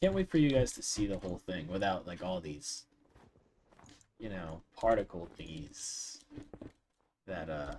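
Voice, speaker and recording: This man has a very deep, low pitch and a dark, mellow tone with ordinary pitch variation. He speaks at a fairly slow pace with long, frequent pauses and big swings in loudness. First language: not English. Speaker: gaming YouTuber. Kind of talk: casual vlog commentary while gaming. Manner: rambling, hesitant with fillers.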